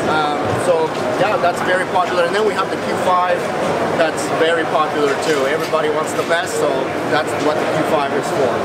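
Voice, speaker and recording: Over loud background noise, a man talks at a fairly quick pace. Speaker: exhibitor salesman. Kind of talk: interview answer. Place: hall. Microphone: camera far.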